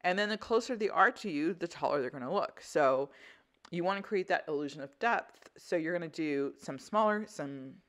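A woman's voice: lowish voice, animated, moderate pace, fairly bright tone. A woman instructor talking through an art tutorial in a casual, conversational, explanatory way. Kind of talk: casual voice-over craft tutorial.

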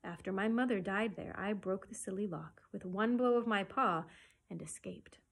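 A woman voicing a wise, protective male black panther from a storybook, speaking gently and earnestly with emphasis. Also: mid-range voice, moderate pace, vocal fry, slightly rough. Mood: gentle, confiding.

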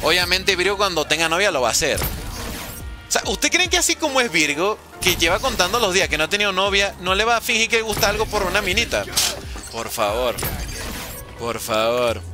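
A young man chatting jokily with his stream chat while playing, with sudden animated outbursts. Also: high voice, a little fast, music in the background. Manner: jokey, reads and answers chat, animated outbursts. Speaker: gaming streamer.

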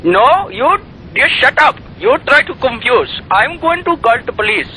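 A hot-tempered neighbor , played by a man, rants down the line in broken English, cursing freely. The voice sits high and swoops wildly. Its tone is sharp and very bright. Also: very animated, measured pace, a little hiss or hum, heavily acted, low-quality recording. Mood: furious. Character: irate male neighbor phoning about his kicked dog. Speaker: prank caller.

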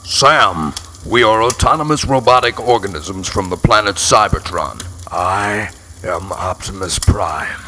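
Man doing a deep noble robot commander. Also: lively intonation, pushed and bright, slight background noise, exaggerated voice. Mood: solemn. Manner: slow solemn pronouncements. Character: booming heroic robot leader, male, noble.

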